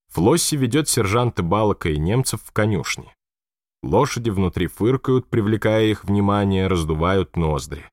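Deep-voiced male audiobook narrator. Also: no room sound. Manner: calm, even reading. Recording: dry close studio recording.

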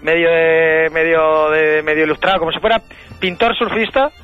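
A man's voice: a little high, steady tone, moderate pace, smooth, highs cut off, faint music behind, lightly acted. A man playing a cocky fake-Argentine hipster. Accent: fake Argentine Spanish over a Catalan-region voice. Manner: cocky, slangy, teasing. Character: Catalan man posing as a hip Argentine. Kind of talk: radio comedy sketch.

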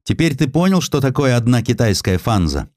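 A man voicing a confident, bossy young female medic with a brisk, assertive manner. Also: mid-range voice, very animated, a little mellow, no room sound, clean studio sound, pitched above the performer's own voice, lightly acted. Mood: brisk, commanding.

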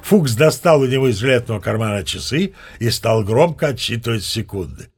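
Old sea captain storyteller, faint music. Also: male voice, medium pitch, lively intonation, brisk, slightly rough. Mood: chatty, wry. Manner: chatty raconteur, mock-dignified. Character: seasoned old male sea captain spinning tall tales. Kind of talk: dramatized storytelling narration.

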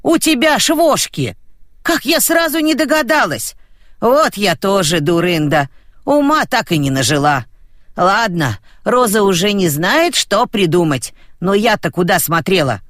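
A man voicing a cheerful, loud village grandmother with a boisterous manner. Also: high voice, sing-song, unhurried, no echo, studio quality, voice pushed up, exaggerated voice. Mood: jolly.

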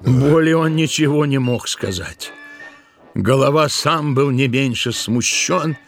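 Скрипучий мужской голос рассказчика. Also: male voice, mid-range voice, takes it slowly, gravelly, faint music behind. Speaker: narrator. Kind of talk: dramatic literary storytelling.

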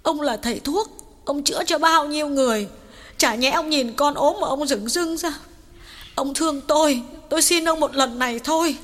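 A man voicing an anxious older mother pleading with her husband in a high falsetto. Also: moderate pace, fairly bright tone. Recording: long hall reverb, faint music.

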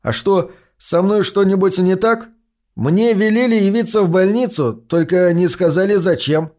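A man's voice: sits high, moderate pace, a little mellow, voice pushed up, close to an everyday voice. A man reading an audiobook, voicing an anxious teenage boy who stammers and pleads.

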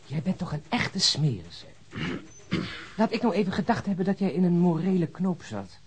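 An actor playing a joking, talkative, food-loving police detective in a radio drama, with a teasing, mock-dramatic manner. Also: male voice, high voice, sing-song, normal speed, breathy edge, heavily acted. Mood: teasing, explaining.

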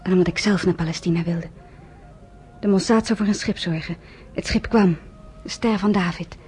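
A woman playing a soft-spoken Jewish survivor. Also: lowish voice, steady tone, normal speed, faint music behind, close to an everyday voice. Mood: subdued, grave. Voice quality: soft-spoken, often near a whisper. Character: young Jewish woman survivor, quiet and resolute. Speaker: narrator of her own story. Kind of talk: radio play narration.

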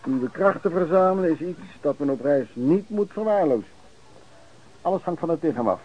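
An actor playing a wary, self-reliant travelling peddler in a radio play, with a Netherlands Dutch accent. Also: male voice, fairly high pitch, lively intonation, normal speed. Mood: reflective. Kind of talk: radio drama, first-person narration and dialogue. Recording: dull lo-fi old radio recording.

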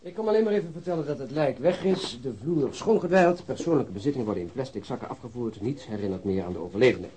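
Wry detective played by a man: fast delivery, mid-range voice, dry mock-formal irony, radio drama. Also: mid-range voice, lively intonation, warm tone, lightly acted. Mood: sardonic. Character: sardonic, wry male police colleague.

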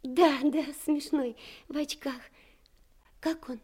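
Little girl, high and soft-toned, plaintive, tender, anxious, wartime radio play. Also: fairly even intonation, slow pace. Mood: subdued, anxious. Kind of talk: radio drama acting.

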